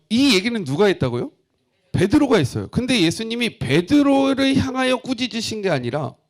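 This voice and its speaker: A middle-aged male pastor gives an expository sermon, his pitch sitting a little high and swinging widely as he speaks. He keeps putting questions to the congregation and slips into blunt, casual voices when he acts out the disciples.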